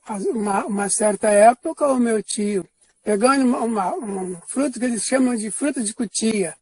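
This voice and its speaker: An older Brazilian man tells his life story in a husky, slightly breathy voice. His delivery is unhurried, full of pauses and restarts. The sound is dry and close, with no room echo. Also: high voice, darkish tone. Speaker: interviewee giving a life testimony. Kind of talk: personal storytelling testimony.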